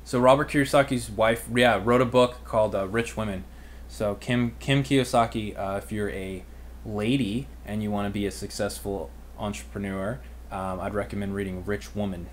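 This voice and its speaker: With a lowish voice, fairly even intonation and a moderate pace, an American man in his twenties chats informally as he takes viewer questions. He hosts an online business livestream and mentors with youthful slang, and the audio carries a little hiss or hum.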